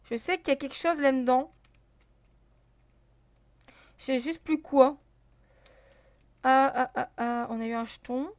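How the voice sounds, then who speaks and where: A woman's voice: high-pitched, measured pace, pauses often, no echo. A woman casually commenting on her gameplay as a let's play host, thinking aloud with many fillers and talking to her viewers. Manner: counts and checks items out loud.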